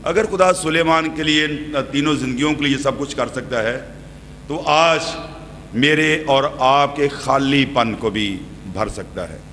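A man's voice: mid-range voice, measured pace, fairly bright tone. A middle-aged man preaching a sermon at a podium, asking the congregation questions and gesturing broadly. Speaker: pastor. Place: church hall with brick wall, indoors. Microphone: podium microphones. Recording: reverberant church hall with faint hum.

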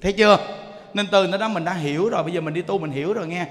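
A Southern Vietnamese monk gives a lively dharma talk in a fairly high voice, teasing and questioning his listeners as he tells stories. His words ring out with a long reverb through a temple hall. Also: very fast. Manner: lively, joking storyteller addressing the audience. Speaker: Buddhist monk preacher.

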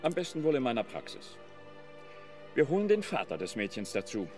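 A man plays a decent, grave doctor with a mid-range voice and lively intonation. He sounds firm and disapproving, in a radio play with music underneath. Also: mid-range voice, fairly quick, close to an everyday voice. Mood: grave, outraged. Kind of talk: German radio play acting.

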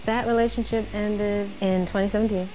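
A woman's voice: mid-range voice, steady tone, a little fast, dark tone, soft background music, poor audio. A young woman giving casual answers as a contestant on a studio dating show. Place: white studio.

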